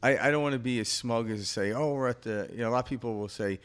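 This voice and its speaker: A man's voice: mid-range voice, racing, a bit bright. A man in his fifties co-hosting a podcast, talking in a rambling, reflective way with lots of fillers and easy laughter. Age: 50s. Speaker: podcast co-host. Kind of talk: casual spiritual chat.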